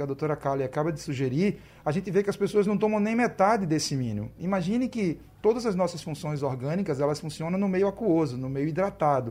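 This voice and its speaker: Speaking at a very fast pace, a man uses a dark, mellow tone and lively intonation. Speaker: physiologist and physical education professor. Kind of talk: radio interview answering health questions. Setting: radio studio.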